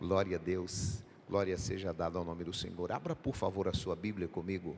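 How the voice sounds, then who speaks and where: The pace here is moderate. A man talks with a very deep, low pitch. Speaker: pastor. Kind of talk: sermon. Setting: church.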